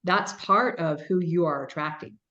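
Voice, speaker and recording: A woman's voice: deep voice, normal speed, a bit bright, muffled recording. A woman business coach in a conversational coaching session, guiding with questions and often checking in with "right?". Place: video call.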